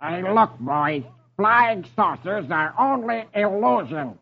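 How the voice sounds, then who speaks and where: A man's voice: high-pitched, lively intonation, slow, voice pushed up, exaggerated voice. A man voicing a boastful, know-it-all cartoon duck uncle who stumbles over long words, in an old radio reading of comic strips. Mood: blustering. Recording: dull old radio recording.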